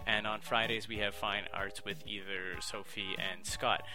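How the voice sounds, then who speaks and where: A man's voice: lowish voice, level tone, a little slow, over music. A man hosting a podcast, telling a story in casual chat, laughing and swearing a lot. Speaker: podcast host.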